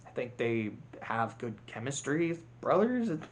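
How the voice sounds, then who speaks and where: A man's voice: medium pitch, big pitch swings, moderate pace. A man giving a casual, rambling movie review monologue, candid and prone to self-corrections. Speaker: vlogger.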